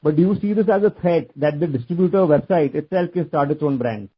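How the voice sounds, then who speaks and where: A man's voice: on the high side, a little fast, breathy edge. A man calling in to an earnings call with a long question that he restates. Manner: wordy, circling back to restate the question. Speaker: analyst caller. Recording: muffled phone line.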